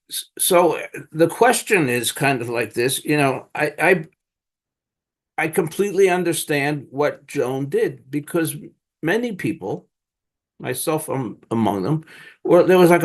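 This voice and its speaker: Older man giving a halting dharma talk. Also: a little high. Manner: halting, searching, many restarts. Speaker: Zen teacher leading discussion. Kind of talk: dharma talk and group discussion.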